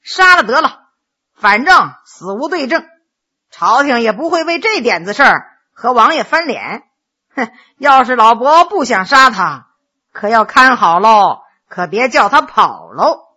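A woman voicing a brash, ruthless young lord in a Chinese storytelling performance, talking briskly and dismissively. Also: on the high side, sing-song, sharp tone, husky, exaggerated voice. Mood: callous.

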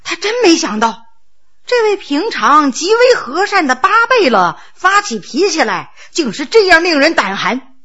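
A woman's voice: very high-pitched, big pitch swings, measured pace, bright, forceful tone, dull audio. A woman telling a court tale in traditional oral storytelling style, with vivid, dramatic narration.

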